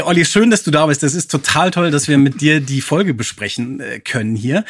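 A male podcast host chatting casually and with enthusiasm. His voice is husky and sits at a medium pitch. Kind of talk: casual chat.

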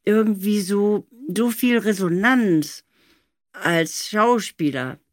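An older woman recalling studio work in an animated, anecdotal way, with emphatic stress on key words. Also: medium pitch, slow pace, no room sound. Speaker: audio drama director recalling studio work.

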